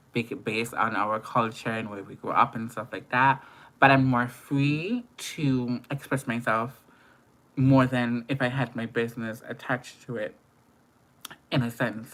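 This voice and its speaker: A man with an Antiguan accent chats informally on a livestream. His voice is strikingly bright and forward, at an ordinary male pitch. He is expressive and circles back over phrases to stress them. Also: rough recording. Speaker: makeup artist and live streamer. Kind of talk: casual livestream chat.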